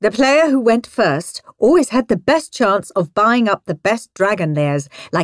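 The background is quiet while a natural reading voice is heard.

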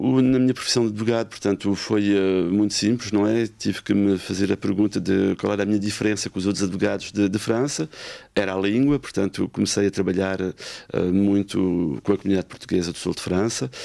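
A man talks at a fairly quick pace with hardly any pauses, his fairly low pitch carrying a dark, mellow tone and ordinary pitch variation. His loudness stays very even against a quiet background. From France, Paris (from age 7), born in Cascais; Paris. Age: 50s. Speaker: lawyer. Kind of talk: interview testimony. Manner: hesitant, many fillers and repetitions. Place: studio. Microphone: studio mic.

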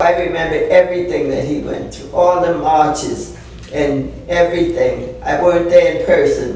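A woman speaks at a fairly slow pace. The room echo is audible, with faint music in the background. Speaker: church elder interviewee. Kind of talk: interview answer. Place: church.

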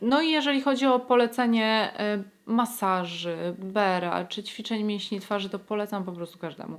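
A woman's unremarkable speaking voice, fairly high in pitch, at a moderate pace with ordinary pitch variation. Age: 30s. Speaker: beauty vlogger. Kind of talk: tutorial.

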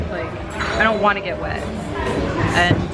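A woman talks at a fairly quick pace through loud background noise. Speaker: travel vlogger. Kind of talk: casual vlog chat.

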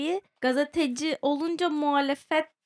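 A woman's high voice, with ordinary pitch variation, is heard against a quiet background. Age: young. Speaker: young media worker asking a question; interview host. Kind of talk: interview question. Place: studio.

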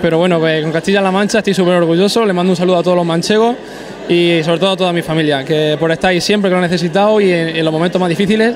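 A man talks at a very fast pace with a high pitch, his intonation fairly even. His loudness stays very even, and there is noticeable background noise. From Spain, Jaén (Andalusia); Andalusia, Spain. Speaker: beauty pageant winner. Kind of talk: interview; interview answer. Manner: halting. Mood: happy, proud. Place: hall. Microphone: handheld.

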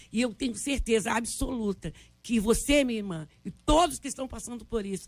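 A woman's normal speaking voice, fairly high in pitch, with lively intonation at a moderate pace over a quiet background. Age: 60s. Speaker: pastor. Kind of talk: radio panel debate. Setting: radio studio. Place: studio.

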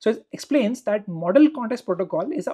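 A man speaks with lively intonation in a dark, mellow tone. The background is quiet. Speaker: tech tutorial creator. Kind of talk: tutorial. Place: home room.

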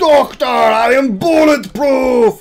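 Faint music plays in the background as a high-pitched, put-on character voice speaks. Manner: exaggerated imitation.

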